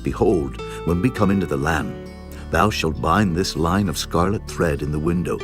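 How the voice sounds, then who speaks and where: A man's voice: deep voice, natural voice. A man playing a firm, solemn Israelite spy in a dramatized scripture audiobook. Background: music with guitar.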